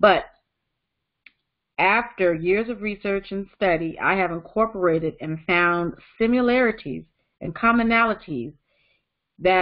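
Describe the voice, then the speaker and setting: A woman with a plain, everyday voice, lively intonation and a moderate pace. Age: 40s. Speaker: spiritual teacher and author. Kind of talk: online course lecture. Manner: warm, affirming.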